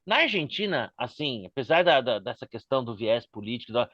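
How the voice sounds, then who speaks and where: A man's voice: medium pitch, big pitch swings, brisk, no echo, muffled recording. A man hosting a panel discussion, asking leading questions with many hesitant restarts. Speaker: host.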